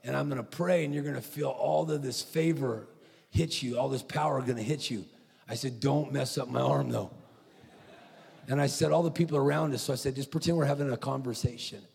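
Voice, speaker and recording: Gravelly man preaching in an echoey hall. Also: mid-range voice, a little fast. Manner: animated storytelling with acted-out quotes. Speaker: conference speaker. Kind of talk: preaching sermon. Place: large conference hall.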